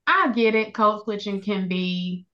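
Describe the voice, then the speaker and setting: A woman's voice: mid-range voice, a little slow, muffled recording. A woman with an African American, Southern US accent talking candidly and reflectively in a casual panel discussion. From US Midwest, later moved to the South.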